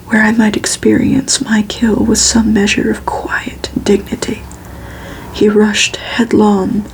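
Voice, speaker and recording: Slow whispering woman reading aloud, ASMR. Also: mid-range voice, creaky, poor audio. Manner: soft, unhurried, steady whispering. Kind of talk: ASMR, whispered audiobook-style reading of gothic fiction.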